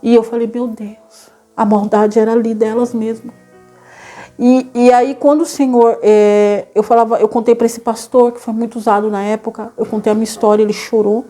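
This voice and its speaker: A woman with a São Paulo Brazilian accent gives a church testimony, telling her story to the congregation in an earnest, halting way, with faint music behind her. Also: a little high, little pitch movement, warm tone. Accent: Brazilian Portuguese, São Paulo. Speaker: church member giving testimony.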